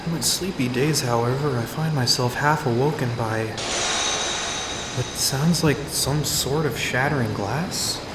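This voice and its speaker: A bemused, affable male holidaymaker played by an actor narrates an audio drama. He is wry and conversational at an average pitch, in roomy, noisy sound. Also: a little slow, close to an everyday voice. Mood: sleepy, wry.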